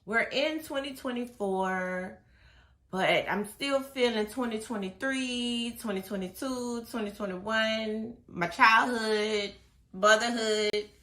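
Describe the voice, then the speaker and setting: A woman business coach giving a casual motivational talk, her voice a little hoarse and raspy. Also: a little high, slow, sharp tone, reverberant. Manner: casual, chatty, reading from notes. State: slightly hoarse.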